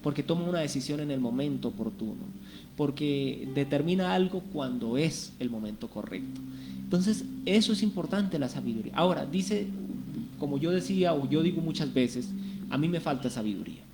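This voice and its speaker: A man's voice: a little high, lively intonation, normal speed, noisy background. A man giving a reflective sermon on a Christian radio show, speaking conversationally with rhetorical questions and acted-out inner voices.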